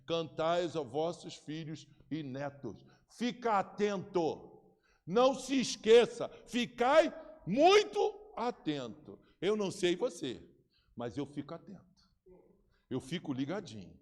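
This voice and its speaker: Lively high-voiced Brazilian pastor in a hall. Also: male voice, takes it slowly. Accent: Brazilian Portuguese. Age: 50s. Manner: animated storytelling, joking, acting out voices. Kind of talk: sermon. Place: church. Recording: long reverb in a large hall.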